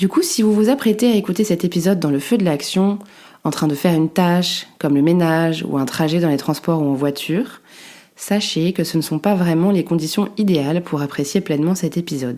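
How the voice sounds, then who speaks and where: Her dark, mellow tone moves at a fairly quick pace, with very even loudness on a very clean recording against a silent background. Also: fairly low pitch for a woman, ordinary pitch variation. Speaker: sophrologist podcast host. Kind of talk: podcast intro talk; guided meditation. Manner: louder when waking listeners.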